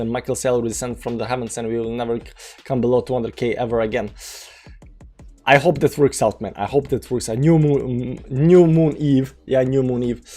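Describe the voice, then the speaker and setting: Music plays in the background as a man at a medium pitch talks at a fairly quick pace with fairly even intonation. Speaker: crypto market YouTuber. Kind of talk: casual, slangy. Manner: fast talker; repetitive, stammering filler words.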